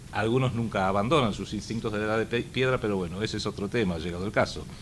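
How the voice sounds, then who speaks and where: A man's voice with audible room echo. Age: 60s. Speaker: author and lecturer. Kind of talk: lecture. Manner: halting.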